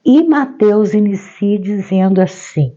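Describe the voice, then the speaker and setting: A woman from Brazil, hoarse from a cold, gently explaining a Gospel passage verse by verse. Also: medium pitch, slow. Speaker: Bible teacher. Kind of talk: devotional Gospel commentary. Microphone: own microphone. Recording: slightly dull lo-fi recording.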